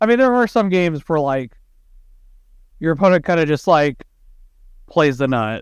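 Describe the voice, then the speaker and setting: Fairly quick speech from a man, with little noise behind him. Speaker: podcast co-host. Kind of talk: casual chat.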